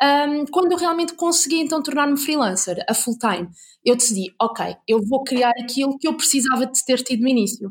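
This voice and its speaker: The speaker has a European Portuguese accent, keeps a moderate pace, and holds the loudness very even throughout. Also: woman. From Portugal. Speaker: blogger and online entrepreneur. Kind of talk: interview conversation. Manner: hesitant, frequent repetitions.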